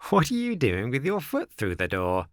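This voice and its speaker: Storybook snail, male reader acting: female, placid, motherly and unhurried, in a raised, gentle pitch. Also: dry recording, clean studio sound. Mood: calm, patient. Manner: calm, peaceful, unhurried. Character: large female snail servant, calm, slow, unhurried, motherly.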